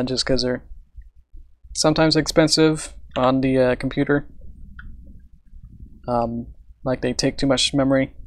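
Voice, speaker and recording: A man on a casual live stream, rambling with many fillers and soft laughs while he works, sounding tired and a little out of breath. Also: mid-range voice.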